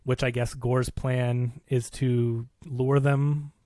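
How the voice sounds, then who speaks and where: A man hosts a casual film discussion at a middling pitch. He talks like a storyteller, in everyday colloquial phrasing. The sound is dry, with no room around it. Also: flat delivery, slow, dark tone, no echo. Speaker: film podcast host. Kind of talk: casual movie review chat, recapping a plot.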